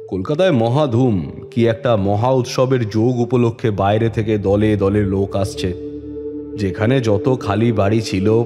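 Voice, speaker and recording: An actor playing a calm, authoritative police inspector who narrates his own case in a dramatised detective story, measured and composed. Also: lowish voice, natural voice. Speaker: story reader and lead actor. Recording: long reverb, music bed behind.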